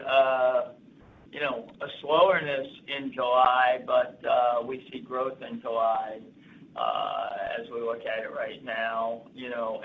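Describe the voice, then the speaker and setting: A man speaking as a company executive on an earnings call, giving halting business commentary with repeated and restarted phrases. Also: mid-range voice, slight background noise. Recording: thin phone-line sound.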